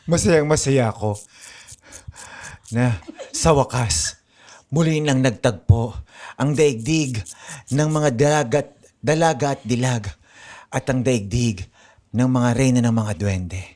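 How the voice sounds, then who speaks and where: A man playing a formal, stately knight in an improvised radio drama, with deliberate, archaic phrasing. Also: mid-range voice, a little mellow, close to an everyday voice. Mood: solemn. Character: formal, stately male knight bidding solemn farewells.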